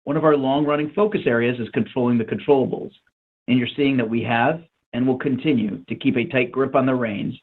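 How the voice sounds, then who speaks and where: A man's voice: mid-range voice, steady tone, fairly quick. A man delivering scripted earnings remarks as a company's chief executive. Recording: muffled narrowband phone line.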